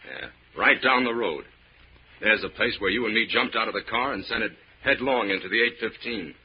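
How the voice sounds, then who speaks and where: A man as a low-voiced, bossy ex-convict crook. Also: expressive, fairly quick, close to an everyday voice. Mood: bitter, hard. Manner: gruff, slangy, domineering. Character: hard, cautious ex-convict crook, bossy ringleader. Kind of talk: 1940s radio crime acting. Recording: muffled, hissy old radio recording.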